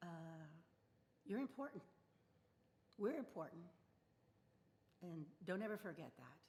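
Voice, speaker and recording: A woman of medium pitch speaks at a moderate pace, somewhat breathy, with very wide pitch swings and long, frequent pauses. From Texas, Houston. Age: 60s. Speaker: former military police officer turned entrepreneur. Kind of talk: interview testimony.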